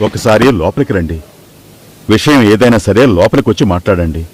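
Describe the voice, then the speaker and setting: A man's voice: on the low side, animated, brisk, background noise, close to an everyday voice. A man voicing a firm, persuasive old grandfather in a cartoon dub. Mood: calm. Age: older. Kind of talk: Telugu cartoon dubbing.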